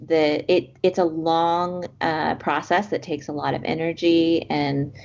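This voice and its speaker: A woman with a low voice explains things in a casual conversation, thoughtfully and with plenty of fillers. The recording sounds slightly muffled. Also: little pitch movement, measured pace, vocal fry, darkish tone. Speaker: guest, coffee roaster. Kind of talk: casual chat.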